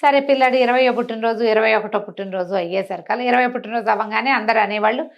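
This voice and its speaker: A woman with a fairly high voice tells a folk tale as if chatting with someone beside her. She is colloquial and explanatory, slipping in asides and voicing what the characters say. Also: fast talker. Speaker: storyteller. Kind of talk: conversational folk-tale storytelling to a listener.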